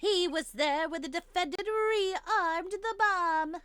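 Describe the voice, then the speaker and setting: A woman's voice: very high voice, slow, fairly bright tone, soft background music, pitched above the performer's own voice, full character voice. A woman voicing a smug, sneering male prosecutor in a courtroom game, with a condescending, taunting manner.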